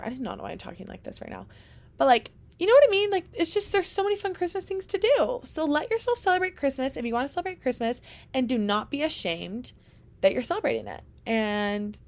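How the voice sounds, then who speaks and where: A young adult woman hosting a casual podcast monologue, animated and chatty, with lots of "like" fillers and rhetorical questions. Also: fairly high pitch. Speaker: podcast host.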